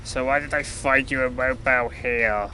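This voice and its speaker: Guy acting grumbly sarcastic hero dude, really sharp bright voice, audio play, bit of background noise. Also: mid-range voice, fairly even intonation, moderate pace, low-quality recording. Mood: blunt, questioning. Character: exasperated sweary flying hero, stranger from Earth. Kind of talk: scripted audio drama acting.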